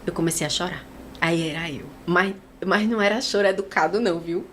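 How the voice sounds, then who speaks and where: A woman's voice: lowish voice, fairly quick, slight background noise. Brazilian woman telling a vivid personal story. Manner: animated storytelling, acting out other people's lines. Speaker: guest giving a testimony.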